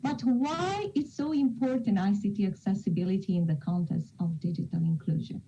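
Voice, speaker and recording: A woman from Romania, a native Romanian speaker with a Romanian accent, giving a prepared formal presentation in a deliberate, rhetorical manner. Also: medium pitch, mellow, muffled recording, slight background noise. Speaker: conference presenter from an international organization.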